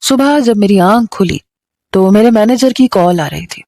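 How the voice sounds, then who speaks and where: A woman storyteller giving scripted first-person story narration in a steady, even delivery. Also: mid-range voice, moderate pace, dry recording.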